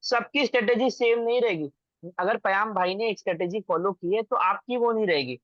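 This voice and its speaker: A man's voice: high-pitched, moderate pace, a bit bright, no room sound. A young man hosting a casual interview, giving emphatic advice and slipping into English phrases. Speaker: host interviewing an exam topper. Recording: dull lo-fi dry sound.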